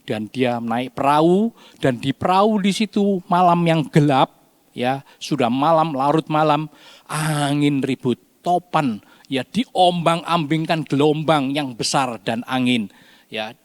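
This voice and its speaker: A man teaching a children's Bible lesson, telling the story with animated storytelling and acting out the cries. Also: a little high, measured pace, dry recording. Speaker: Sunday school teacher.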